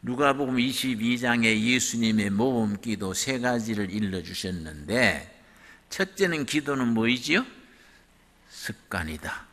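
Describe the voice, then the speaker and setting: A man preaching a sermon in a church, animated and dramatic, swinging his pitch widely as he acts out prayers. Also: a little slow. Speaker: pastor. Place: church sanctuary. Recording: long hall reverb.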